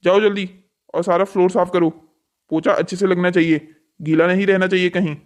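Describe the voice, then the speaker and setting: A man's voice: high voice, flat delivery, brisk, close to an everyday voice. A man voicing a stern, exploitative hotel boss in a cartoon story, with a commanding manner. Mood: stern, bossy. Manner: bossy, commanding. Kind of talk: scripted cartoon story dialogue.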